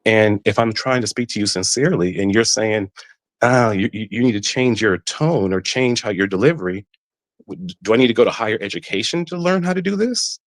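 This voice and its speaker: Earnest caller, man, African American Vernacular English, lowish voice, dry sound. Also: expressive, a little fast, no echo. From United States. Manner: earnest, repeating himself, rising when insistent. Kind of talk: heated podcast call-in discussion.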